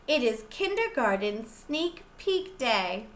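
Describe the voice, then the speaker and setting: A woman's voice: fairly high pitch, big pitch swings, takes it slowly. A woman reading as a kind cheerful teacher. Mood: gentle. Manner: gentle, warm storybook reading.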